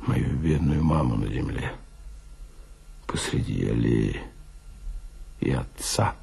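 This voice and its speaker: An actor playing an embittered, despairing man in a radio drama monologue, husky and gravelly, brooding in his delivery. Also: very deep voice, heavily acted. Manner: slow, brooding, with emphatic swells and hushed drops. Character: embittered, despairing male drinker recounting his shattered childhood.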